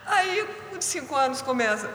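A calm woman speaking to a gathering in a spiritual talk, her voice bright and clear. She tells her story gently and without hurry. The sound rings through a large, echoey hall with a faint hum of ambience behind her. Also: sits high, normal speed.

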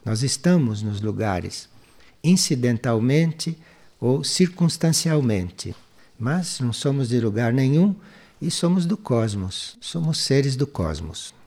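A Brazilian spiritual teacher with a mid-pitched, slightly mellow voice shows big pitch swings. He fields questions and responds in a measured, explanatory, didactic way, like a spiritual talk.

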